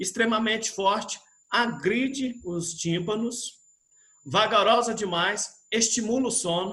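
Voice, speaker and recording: A man with a high voice speaks in a raised, projected voice at a very slow pace. His pitch varies in an ordinary way. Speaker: pastor teaching homiletics. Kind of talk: lecture.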